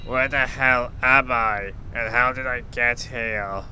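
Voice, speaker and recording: Man acting a flippant superhero, noisy rumbling recording. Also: steady tone, takes it slowly, pushed and bright. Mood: puzzled. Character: blunt, flippant male superhero, once a toy bird. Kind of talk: amateur audio drama acting. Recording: clearly noisy with low rumble.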